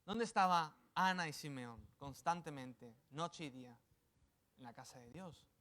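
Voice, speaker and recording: Man, pastor, from Spain, sermon, animated, slightly high voice. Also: a little slow. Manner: animated, playful asides with acted quotes.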